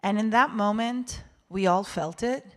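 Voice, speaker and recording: A woman's voice: medium pitch, unhurried. A woman who is a native Hebrew speaker, giving a heartfelt, emphatic inspirational address to a congregation as a guest speaker, repeating phrases for effect. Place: speaking live to a synagogue congregation.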